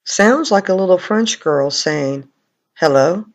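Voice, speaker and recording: A man's voice: high-pitched, expressive, slow, a little hiss or hum. A man commenting on recordings of spirit voices as a paranormal investigator.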